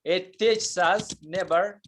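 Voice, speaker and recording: A man teaching an English lesson, explaining patiently and slowly with many hesitations and fillers. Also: high voice, fairly bright tone, slight background noise. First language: not Turkish.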